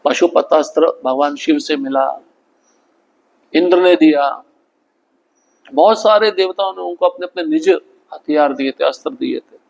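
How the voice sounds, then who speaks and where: This man has a somewhat high voice and teaches a devotional scripture class. He poses rhetorical questions and answers them at once. Now and then he slows down to chant Sanskrit verses. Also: creaky, a little mellow, poor audio.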